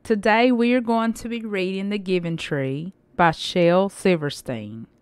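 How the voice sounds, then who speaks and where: A woman reading a children's story aloud with expressive, deliberate phrasing. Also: mid-range voice, smooth, no room sound.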